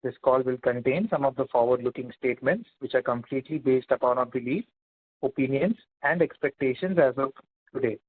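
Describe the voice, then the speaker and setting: A man reads a formal script as the moderator of a conference call. His pitch is average, and the audio has the narrow, thin sound of a phone line. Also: fairly quick, husky. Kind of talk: scripted disclaimer and handover.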